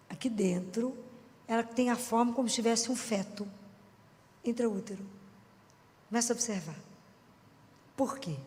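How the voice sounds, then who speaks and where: A woman's voice: on the high side, darkish tone, long reverb tail. A woman with a Minas Gerais accent preaching informally to an audience, chatty and full of rhetorical questions. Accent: Minas Gerais Portuguese. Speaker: Christian speaker.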